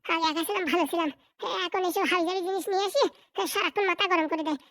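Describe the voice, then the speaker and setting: An impatient, boastful cartoon husband snaps and grumbles in a tiny, high, sped-up voice. He talks in quick bursts. The sound is dry and close to the mic. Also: steady tone, sharp tone, no echo, full character voice. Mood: grumbling. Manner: snappish, dismissive bickering.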